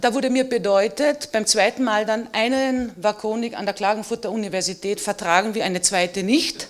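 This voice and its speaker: A woman's voice: mid-range voice, fairly even intonation, normal speed. A middle-aged woman, a native Slovene speaker, giving an emphatic and personal statement as a historian on a panel.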